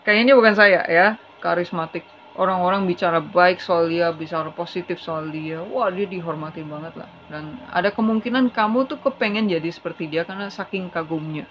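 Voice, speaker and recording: A tarot reader speaks directly to the viewer in a casual, chatty reading, earnest and full of advice. The voice is mid-range and fairly quick, and the recording sounds slightly dull with a faint hiss.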